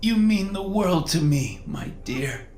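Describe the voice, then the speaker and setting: A man voicing a medium who fakes a dead husband's loving spirit in a slow, wavering, over-pious tone. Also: fairly high pitch, sing-song, a little mellow, reverberant, slight background noise, pitched above the performer's own voice, full character voice.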